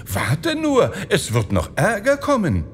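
A man voicing a shrewd, scheming wife who keeps asking her husband about their debts, in a high, mock-sweet voice. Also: wildly swooping pitch, takes it slowly, a little hiss or hum, heavily acted. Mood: wheedling.

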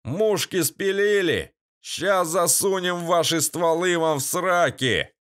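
A man voicing a crude, nasal-voiced bandit leader who shouts mocking taunts in an audiobook. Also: sits high, slow, voice pushed up. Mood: jeering taunts.

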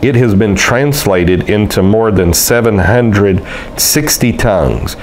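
A middle-aged man with a drawl and a deep voice, speaking to a camera set up in front of his desk in a small room. He talks in a loose, unhurried way, reading quotes aloud and pausing often with uh, with a faint hiss under the recording. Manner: conversational, unhurried, pauses with frequent uh fillers. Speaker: pastor. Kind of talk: casual teaching video reading quotes aloud. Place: small indoor room by a window with blinds, seated at a desk. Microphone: fixed camera in front of the desk.

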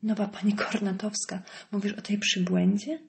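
A woman's voice: mid-range voice, flat delivery, normal speed, creaky, close to an everyday voice. A woman reading an audiobook voices a cold, scornful wealthy wife, icy and sarcastic.

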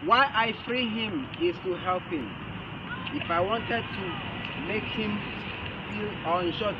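Higher-pitched male instructor, noisy outdoors. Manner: halting short phrases, repeats instructions. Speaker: self-defense instructor. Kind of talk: hands-on demonstration lesson. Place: large open concrete outdoor arena with stepped stands. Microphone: camera a few metres away. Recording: muffled outdoor camera audio, loud ambient noise. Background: loud outdoor ambient noise.

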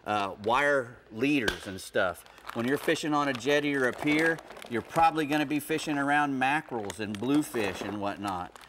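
Middle-aged man, folksy rambling talk, average pitch, tv studio chat. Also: normal speed, few pauses, noisy background. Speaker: fishing guest expert. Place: TV studio set.

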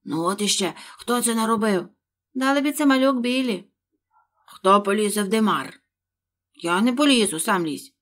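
Woman voicing rowdy shouting workmen. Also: mid-range voice, lively intonation. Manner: loud, hurried calls.

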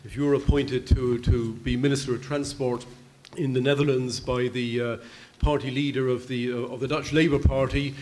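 An older man speaking as an expert panelist at a public convention, explaining at a measured pace with some hesitant restarts, into a table microphone in a large conference hall. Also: mid-range voice, flat delivery, darkish tone.

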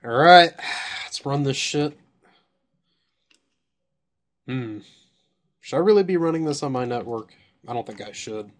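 Slow-talking, slightly hoarse man. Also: medium pitch, lively intonation. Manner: off-the-cuff, thinks aloud, swears when surprised. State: slightly hoarse, losing his voice. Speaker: software reviewer. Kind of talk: casual screen-recorded software review.

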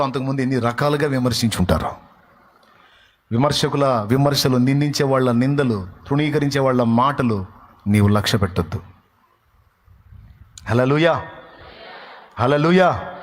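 A man pastor delivering a dramatic sermon full of rhetorical questions and emphatic repetition. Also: mid-range voice.

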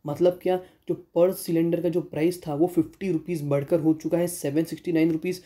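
A man's voice: fairly high pitch, little pitch movement, fairly quick, mellow. A man hosting a stock market channel, giving a voice-over analysis of share figures and mixing English terms into Hindi, at times correcting himself mid-sentence.

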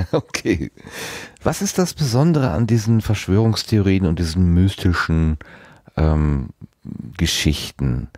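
A man's voice: sits low, lively intonation, slow pace, a little mellow, no echo, studio quality. A man interviewing a podcast guest in a conversational way, reflective and thinking aloud as he frames his questions.

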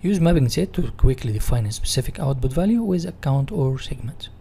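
A man with an Egyptian Arabic accent giving a software tutorial in non-native English, reading and rephrasing as an instructor. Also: mid-range voice, expressive, a little fast, creaky, slightly rough.

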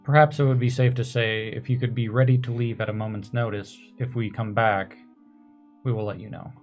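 Man playing a polite, creaky-voiced adventurer. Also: medium pitch, steady tone, soft background music, natural voice. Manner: formal, measured wording.

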